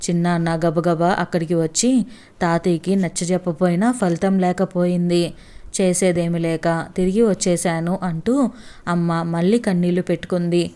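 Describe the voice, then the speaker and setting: A woman narrating a heartfelt story with a steady, measured reading. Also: fairly low pitch.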